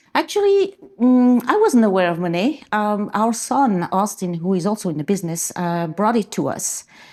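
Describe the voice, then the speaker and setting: Someone with a French accent speaks at a moderate pace, with lively intonation. There are hardly any pauses, and the recording is very clean with a silent background. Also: woman, medium pitch for a woman. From France, Cognac region. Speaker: spirits importer. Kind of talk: interview. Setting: importer's office. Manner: hesitant, many fillers.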